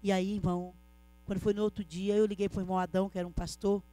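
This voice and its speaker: Middle-aged woman, church testimony, rapid earnest delivery, speaks directly to the congregation. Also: mid-range voice, flat delivery, mellow. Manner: earnest storytelling, often addressing listeners as brother.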